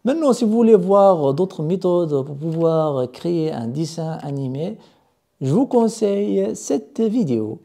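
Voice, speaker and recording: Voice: mid-range voice, expressive, unhurried, vocal fry, mellow. A tutorial presenter explaining tech steps in an instructional voice-over.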